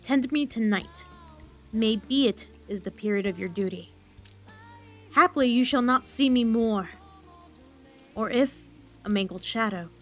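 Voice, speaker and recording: A woman's voice: fairly high pitch, measured pace, long pauses, soft background music, close to an everyday voice. A woman acting a weary, honour-bound military leader in a Shakespearean audio drama, with stately, declamatory delivery. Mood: solemn, wistful.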